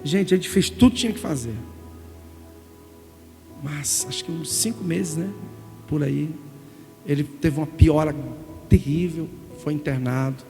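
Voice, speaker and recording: A middle-aged Brazilian man preaching a sermon, telling an emotional story in an animated way. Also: on the high side, unhurried, long pauses. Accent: Brazilian Portuguese. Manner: emotional storytelling, animated, calls listeners "gente". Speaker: pastor. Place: church sanctuary. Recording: reverberant church hall with music.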